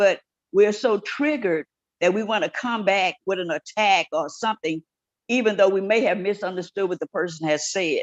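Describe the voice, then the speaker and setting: With an American accent and lively intonation, a woman of medium pitch is captured with a dry, close sound and no echo. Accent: sounds like Louisiana to others. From Texas. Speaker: study group participant. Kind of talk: group study discussion.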